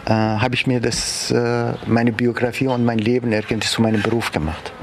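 A man's voice: mid-range voice, flat delivery, moderate pace, background noise. A man from Iran, an education trainer, telling a personal story reflectively, often circling back with fillers. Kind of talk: personal account in an interview.

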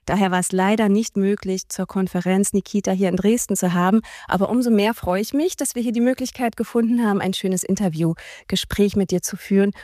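A woman's voice: mid-range voice, warm tone, no echo, clean studio sound. A woman hosting an interview, introducing her guest formally and asking prepared questions in long, welcoming sentences. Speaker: interviewer, festival host.

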